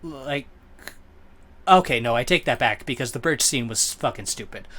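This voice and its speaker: A man's voice: medium pitch, lively intonation, moderate pace, a bit bright. A man co-hosting a podcast in casual chat, rambling and correcting himself as he gives his opinions. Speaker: podcast co-host.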